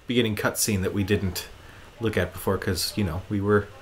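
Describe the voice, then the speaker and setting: A man's voice: fairly low pitch, steady tone, a little fast. A man hosting a gaming show, giving casual gameplay commentary in an informal, enthusiastic fan's manner.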